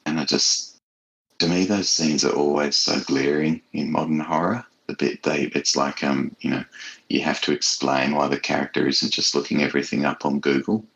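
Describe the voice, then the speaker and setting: Very deep, gravelly-voiced man. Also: little pitch movement, a bit bright, rough recording. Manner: thoughtful, halting, searches for words. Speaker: horror author being interviewed. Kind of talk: casual, reflective interview talk.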